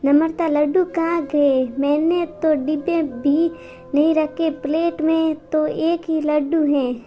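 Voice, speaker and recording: A woman's voice: sits high, fairly even intonation, slow pace, dark tone, faint music behind. A woman voicing a polite, timid young daughter-in-law. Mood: meek.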